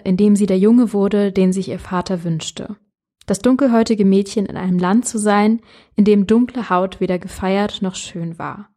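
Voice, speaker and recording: A woman hosts a podcast, reading a passage aloud and welcoming her guest with warm, searching questions. She speaks in a plain mid-range voice. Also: medium pitch. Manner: friendly and hesitant, with many fillers when asking questions. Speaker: podcast host. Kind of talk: reading a quote aloud and interviewing.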